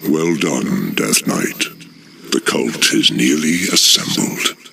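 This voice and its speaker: An actor playing a scheming male dreadlord demon in a game cutscene, speaking in a slow, measured, menacing way. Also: very deep voice, very animated, vocal fry, bright, forceful tone, slight background noise, full character voice. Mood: sinister. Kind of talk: video game cutscene acting. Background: orchestral score.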